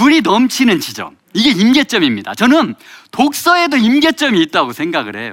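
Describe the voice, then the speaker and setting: A man's extremely high voice at a moderate pace, with very wide pitch swings and big swings in loudness. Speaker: humanities lecturer and author. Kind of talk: lecture; Q&A answers. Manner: animated.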